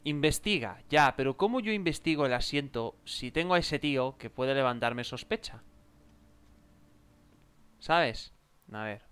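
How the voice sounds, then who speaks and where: A man's voice: mid-range voice, lively intonation, measured pace, pauses often, fairly bright tone, clear, resonant tone. A young man with a Spain Spanish accent commenting his gameplay, exclaiming and joking, improvising mock chatter with game characters. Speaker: gameplay video creator.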